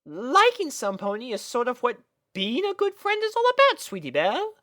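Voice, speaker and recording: A woman's voice: high voice, huge pitch swings, moderate pace, a bit bright, full character voice. A woman voicing a refined, affectionate elder sister pony in a fan fiction audio drama, genteel and coaxing. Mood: gentle, puzzled.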